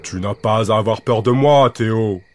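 A man voicing a big male forest monster with a deep voice he makes soft, gentle yet stern with bullies. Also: moderate pace, no echo, close to an everyday voice.

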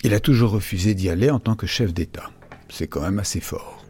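A man's voice: on the low side, brisk, darkish tone, breathy edge. A man, a writer, arguing firmly in a radio debate. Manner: assertive, argumentative, reads a quoted passage. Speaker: writer guest.

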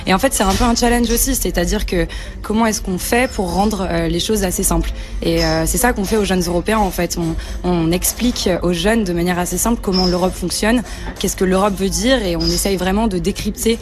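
Earnest young woman, low voice. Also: fairly quick, music in the background. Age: 20s. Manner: earnest, explanatory, with fillers. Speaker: interviewee, association vice-president. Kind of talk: recorded interview.

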